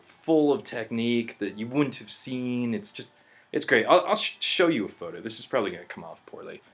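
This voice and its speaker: A young man with a slightly husky, low voice tells a loose, rambling story in casual chat. He swears freely and gets excited as he talks, like a host chatting with his audience. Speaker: podcast host.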